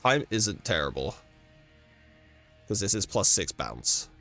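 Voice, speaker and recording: Slow and creaky but very animated, this low voice has a bright, forceful tone over soft background music. A gaming guide creator congested with a cold and losing his voice, he talks casually through a game build and run, rambling and frequently self-correcting.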